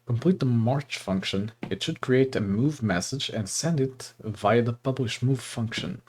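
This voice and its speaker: Chatting casually on a livestream, a young man from Portugal rambles with fillers and reads text aloud into his desk mic. He speaks unhurriedly in a medium-pitched voice with a darkish tone.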